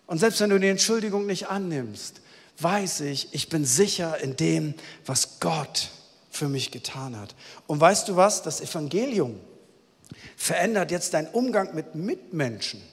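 A male pastor preaching a sermon in an earnest, pleading way, moving between loud exclamations and quiet, intimate passages. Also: a little high, lively intonation, a little slow, breathy edge, long reverb tail.

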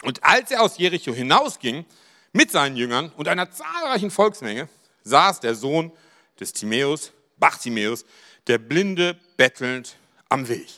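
A man preaching a sermon, dramatic, rising to near-shouts on key phrases and dropping low and quiet for asides.

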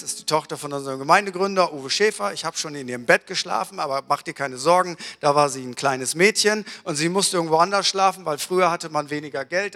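A man preaching a sermon in a lively storytelling way, acting out little dialogues as he goes. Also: on the high side. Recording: reverberant hall.

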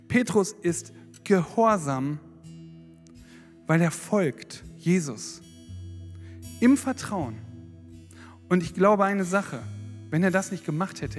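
A man preaching a lively sermon, acting out prayers as he tells the story. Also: fairly high pitch. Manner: lively, dramatizing with acted-out prayers. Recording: long hall reverb with faint guitar.

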